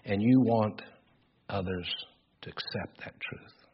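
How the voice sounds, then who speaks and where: An older man preaching a sermon with a loud voice, earnest and emphatic, often repeating words as he builds his points. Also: fairly low pitch, takes it slowly, a little hiss or hum. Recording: dull lo-fi recording.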